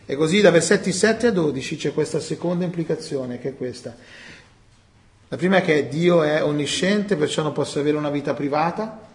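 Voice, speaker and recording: Emphatic high-voiced male preacher in an echoey hall. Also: a little fast. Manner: dramatic swings between loud emphatic lines and quiet low asides. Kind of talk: sermon. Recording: echoey room.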